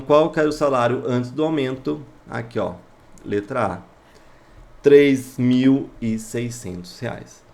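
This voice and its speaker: Brazilian male math teacher with a gravelly voice. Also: medium pitch, a little mellow. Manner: didactic, asks himself questions then answers, checks understanding. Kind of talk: explaining worked exercises step by step.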